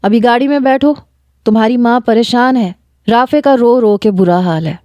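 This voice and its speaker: A woman's voice: on the high side, dark tone, dry recording, close to an everyday voice. A woman reading a story aloud and voicing a stern, short-tempered man who gives harsh orders. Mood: angry. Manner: harsh, commanding, scolding.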